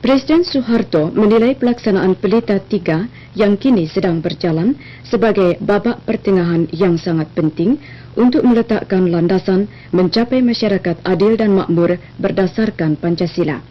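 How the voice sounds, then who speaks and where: A woman newsreader reading formal scripted news in a measured, official way, heard as an old archival broadcast. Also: medium pitch. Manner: measured, even, official delivery. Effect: old archival TV news broadcast sound. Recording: dull lo-fi old broadcast tape.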